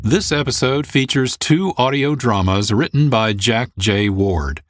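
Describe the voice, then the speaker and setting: Slow, expressive male radio host. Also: mid-range voice, noisy background. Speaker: producer and host. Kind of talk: scripted radio hosting.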